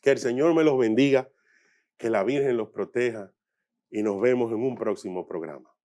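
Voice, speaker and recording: A man from the Dominican Republic with a Dominican Spanish accent, hosting a Catholic program and preaching on the Gospel with slow, emphatic, repeated phrases. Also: medium pitch, mellow. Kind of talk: sermon-style Gospel reflection.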